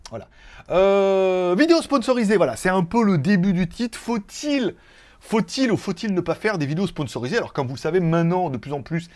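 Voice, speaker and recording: A man hosting a casual live tech news stream, chatty and rambling, swearing freely and laughing at his own jokes. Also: high voice.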